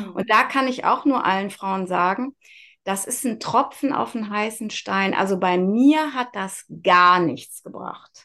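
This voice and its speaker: Speaking very slowly over a quiet background, a woman uses a medium pitch, lively intonation and a bright, sharp tone. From western Germany, near Cologne. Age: 50s. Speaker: mother of eight, former lawyer. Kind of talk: interview, personal story.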